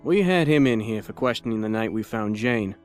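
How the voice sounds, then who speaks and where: A man's voice: on the low side, expressive, fairly quick, soft background music, close to an everyday voice. An actor playing a thoughtful male police detective in an audio drama, earnest and deliberating as he speaks. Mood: pondering.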